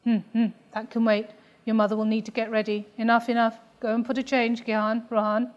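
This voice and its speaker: A woman doing a gentle, fussing middle-aged father. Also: a little high, little pitch movement, fairly quick, big-room sound, lo-fi sound, lightly acted. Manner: warm, coaxing, gently hurrying.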